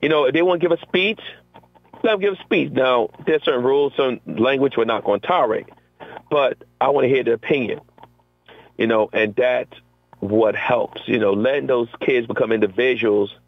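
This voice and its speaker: A middle-aged man talks as a teacher guest on a call-in interview, lively and acting out the voices of his students and himself. His voice comes through a narrow, tinny phone line. There is no room echo at all. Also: medium pitch, moderate pace. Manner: energetic, acts out quotes from classroom exchanges. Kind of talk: conversational interview.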